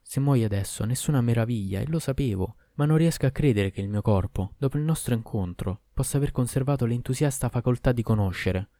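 A man's voice: medium pitch, a little fast, few pauses, dark tone, no room sound, clean studio sound, lightly acted. A man voicing a grieving betrayed wife. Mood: sorrowful. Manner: plaintive declaiming verse.

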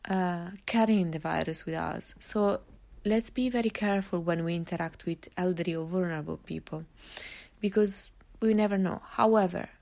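A woman's voice: fairly low pitch, vocal fry, warm tone. A woman with an Italian accent hosting a solo podcast, giving earnest, encouraging advice with frequent fillers and restarts. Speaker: podcast host.

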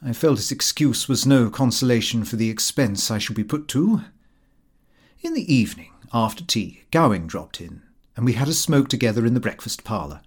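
A British man reads a comic diary aloud as an audiobook narrator. His pitch is mid-range but moves about a great deal, giving the prim, precise phrasing a very animated shape. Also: moderate pace, husky. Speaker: audiobook reader. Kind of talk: scripted narration of a comic fictional diary, read in character as the diarist.

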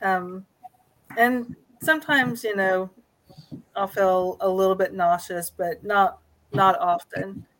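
A woman's voice: medium pitch, steady tone, slow, a bit bright, rough recording. Hesitant woman paranormal investigator. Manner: hesitant, many fillers. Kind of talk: casual podcast conversation.

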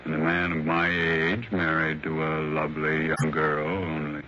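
A man's voice: a bass voice, level tone, sharp tone, slight background noise, exaggerated voice. A resigned old blind man. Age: older. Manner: slow, resigned and sad. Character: older blind man, husband of a young wife. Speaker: Mister Porter. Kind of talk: 1960s radio drama acting. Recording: dull lo-fi vintage radio broadcast.

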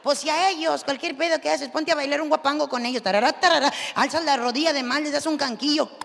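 A Mexican woman with a fairly high voice tells a comic story, crude and sarcastic in her delivery. The words echo through a large hall. Faint noise hums behind her. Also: fast, gravelly, fairly bright tone. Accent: Mexican Spanish.

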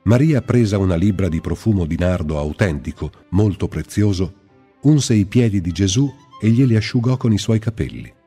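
A man reading the Bible aloud as scripted narration, in a slow and measured way. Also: deep voice, lively intonation, mellow, husky, faint music behind. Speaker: Bible reader. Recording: long hall reverb.

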